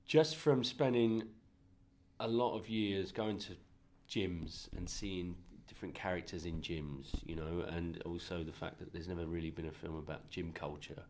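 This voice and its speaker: Deep man with a head cold, chatty, restarts a lot, press-room interview on a handheld mic. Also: steady tone, normal speed, darkish tone, slight background noise. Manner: rambling, many restarts and laughs. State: congested from a cold. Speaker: filmmaker being interviewed. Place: festival press room, indoors. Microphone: handheld mic held by interviewer.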